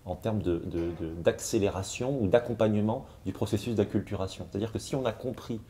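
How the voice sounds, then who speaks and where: A man of Algerian descent, speaking in a panel discussion in a measured way, with frequent hesitations and repeated words. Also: fairly low pitch, mellow, a little hiss or hum. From France, of Algerian descent. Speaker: panel guest.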